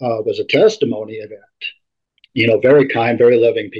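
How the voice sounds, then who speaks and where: A man talks, and the background is quiet. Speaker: interview guest. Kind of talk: interview answer. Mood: reflective, friendly. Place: home room. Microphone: video call.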